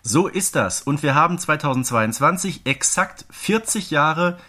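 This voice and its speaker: A man's voice: on the high side, expressive, measured pace, pushed and bright. Man in his thirties co-hosting a podcast. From Germany. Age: 30s. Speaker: podcast co-host. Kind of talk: casual podcast discussion.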